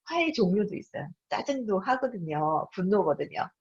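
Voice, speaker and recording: Woman in her fifties, book talk host, lively pitch, breathy, dull lo-fi sound. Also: normal speed. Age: 50s. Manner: animated, acts out her own thoughts and voices. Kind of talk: live-streamed book talk to an audience.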